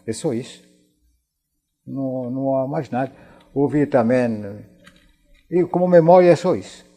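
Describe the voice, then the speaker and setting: Elderly French man, halting and mellow. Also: medium pitch. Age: 90s. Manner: halting, repeats words and phrases. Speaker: interview guest, war veteran. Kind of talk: conversational recollection in a television interview.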